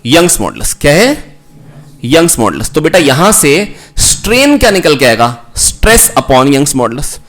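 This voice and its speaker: A man's voice: a little high, very animated, a bit bright. Coaxing male physics teacher. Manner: coaxing, repeats formulas slowly in a chant. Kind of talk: online exam-prep lecture.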